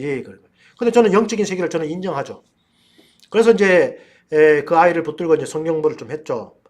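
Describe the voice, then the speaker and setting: Middle-aged pastor guy teaching a seminar, fairly high voice, tells stories and turns to the crowd. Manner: storytelling, addresses listeners directly, bursts into loud commands. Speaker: pastor and theology professor. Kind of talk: teaching seminar on casting out spirits.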